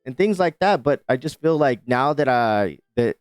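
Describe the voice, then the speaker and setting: A man's voice: medium pitch, animated, moderate pace, clean tone, dry recording, faint music behind. A man co-hosting a podcast and chatting casually, a father and husband who rambles loosely, swears freely and keeps asking "you know what I mean". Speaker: podcast co-host.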